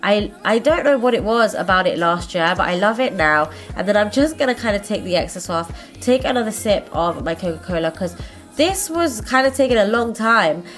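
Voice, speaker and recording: A woman talks through each step of a tutorial at an ordinary pitch, her voice thick and stuffy from a cold. She sounds chatty and friendly and catches her own slips. Soft music plays faintly underneath. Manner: chatty, friendly, self-correcting. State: congested, stuffy-nosed from a cold. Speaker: makeup tutorial host. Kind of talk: casual step-by-step tutorial narration.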